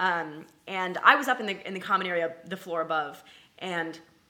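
A woman with an American accent, fairly low in pitch, against noticeable background noise. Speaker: college student and aspiring film actor.

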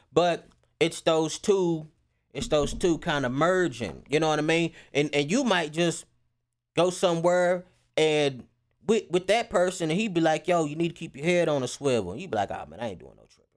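Ordinary pitch variation marks a man's fairly high voice. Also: moderate pace, big swings in loudness. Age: 30s. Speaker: navy veteran and rapper. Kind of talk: casual chat. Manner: halting, repeats words.

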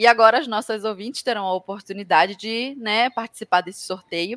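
A woman speaks at a moderate pace with a fairly high pitch and an upbeat tone. The sound is dry and close, with no echo. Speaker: podcast host and youtuber. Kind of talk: podcast interview.

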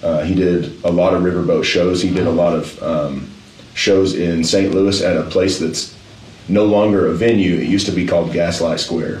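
A man with an American accent and a very deep, low pitch speaks at a moderate pace with fairly even intonation. Audible room echo and noticeable background noise surround him. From Middle Tennessee, US South. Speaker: musician. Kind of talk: casual chat.

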